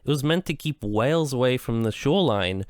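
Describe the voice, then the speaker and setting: A man's voice: medium pitch, animated, a little fast, a little mellow, no echo, studio quality, natural voice. A man reading the lines of a grieving, angry middle-aged father in a curt, bitter way.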